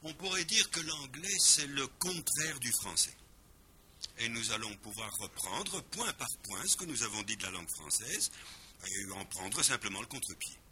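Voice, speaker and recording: Emphatic male lecturer, lively bright voice. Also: mid-range voice, moderate pace, slight background noise. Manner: emphatic, stammers repeated words while explaining; drops in English words with exaggerated pronunciation.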